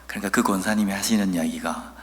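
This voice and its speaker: Low-voiced pastor with a Busan accent. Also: male voice, steady tone, a bit bright, long reverb tail. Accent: Busan dialect. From Busan, South Korea. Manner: storytelling, earnest and measured, with slow emphatic scripture reading. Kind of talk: sermon.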